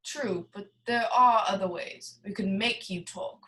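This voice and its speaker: A woman's voice: medium pitch, a little slow, bright, forceful tone. A woman playing a genteel, scheming male crime boss with pompous, formal, theatrical speech in a noir radio play. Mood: suave, menacing.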